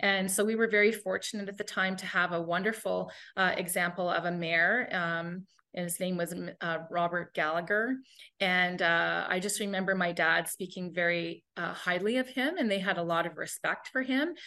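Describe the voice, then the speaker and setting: Against a quiet background, a woman with an Ontario accent speaks at a moderate pace and medium pitch, her tone bright and sharp, with ordinary pitch variation. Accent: Canadian (Ontario). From northern Ontario, Canada. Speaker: city councillor. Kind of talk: interview. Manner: halting.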